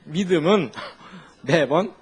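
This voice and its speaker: A male pastor preaching a sermon in an animated, humorous way, full of rhetorical questions. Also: on the high side, slow pace, a little hiss or hum.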